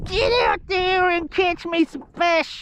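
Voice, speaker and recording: A put-on character voice that sounds female, pitched extremely high. The delivery is fairly slow. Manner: silly, put-on, demanding.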